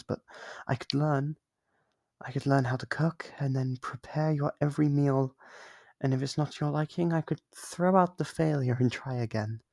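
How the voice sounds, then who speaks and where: A man plays a lonely, clingy demon in an ASMR roleplay, his mid-range, darkish voice breathy and gravelly. Recorded close and dry with no room sound, he speaks with tender, obsessive devotion and hesitant, coaxing intimacy.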